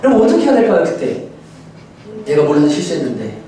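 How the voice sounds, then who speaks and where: A man preaching a sermon, telling a family story with lively voices for his wife and son. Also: fairly high pitch, quick pace, slight background noise. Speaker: pastor. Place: church sanctuary. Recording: echoey church hall, mic at a distance.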